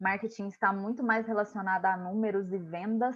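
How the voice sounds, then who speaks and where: A woman speaks at a medium pitch with a Minas Gerais accent. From Minas Gerais, Brazil (Uberlândia). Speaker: marketing specialist and HR manager. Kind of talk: podcast conversation.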